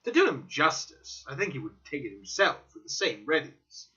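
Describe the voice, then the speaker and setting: A man voicing a cautious, wry gentleman companion, explaining emphatically in a dramatic audiobook reading. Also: on the high side, very animated, normal speed. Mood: wry, hesitant. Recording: dull lo-fi recording.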